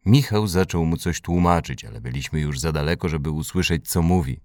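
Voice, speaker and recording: A man reading a children's story aloud with expressive narration. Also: rumbling low, brisk, no room sound, studio quality. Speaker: audiobook reader.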